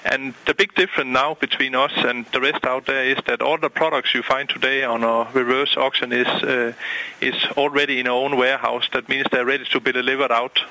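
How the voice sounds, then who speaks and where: A Danish-accented man with a very bright, sharp voice, joining by phone. He talks in halting bursts full of fillers and repeated words. He explains his business in a casual way. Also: mid-range voice, little pitch movement, rough recording. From Denmark. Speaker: company president and CEO. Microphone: phone line.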